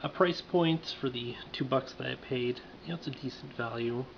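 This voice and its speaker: A man's voice: medium pitch, moderate pace, creaky. A man casually reviewing a toy figure in a dry, offhand, self-mocking way, in a lo-fi home recording with faint hiss.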